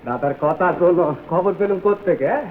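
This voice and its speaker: An actor playing a pushy, meddling house buyer with a low, drawling, overfamiliar voice in a vintage comic film scene. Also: male voice, animated, quick pace, slight background noise. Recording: tinny lo-fi old film sound.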